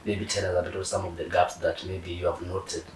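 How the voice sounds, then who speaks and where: A man hosts a TV interview in a very low voice. He sounds set back from the mic in an echoey room, with faint hiss underneath. His questions are friendly and hedged. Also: little pitch movement, a little fast, far from the mic. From Kenya. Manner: friendly, hedging questions with "maybe". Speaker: TV talk show host. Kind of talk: TV interview hosting.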